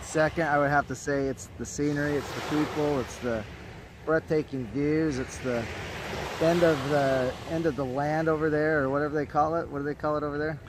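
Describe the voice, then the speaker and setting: Gushing man, fairly high, over outdoor noise. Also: steady tone, a little fast. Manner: gushing, emphatic superlatives. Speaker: co-presenter and guest. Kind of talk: casual vlog chat. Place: outdoors beside the ocean. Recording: noisy outdoor recording with background rumble.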